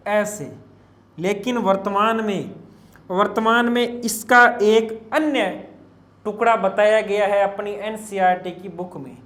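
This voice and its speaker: Male grammar tutor, high register, measured exam-prep lecture in a roomy, echoey space. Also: a bit bright. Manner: slow and explanatory, spells out letters piece by piece; addresses students as children, asks and answers his own questions. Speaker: Hindi grammar teacher.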